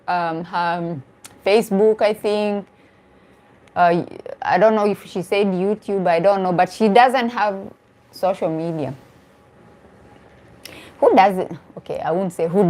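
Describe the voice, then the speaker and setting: A woman's voice: medium pitch, a little mellow. A woman, a dating coach chatting casually on a live stream, answering comments and repeating phrases for emphasis. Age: 40s.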